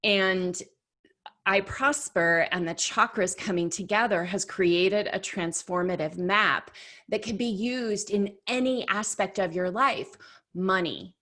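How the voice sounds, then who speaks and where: A woman's voice: medium pitch, slow pace, bright, forceful tone. A woman leading a workshop in a chatty, conversational storytelling manner, often saying "like" and correcting herself mid-sentence. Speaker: workshop leader.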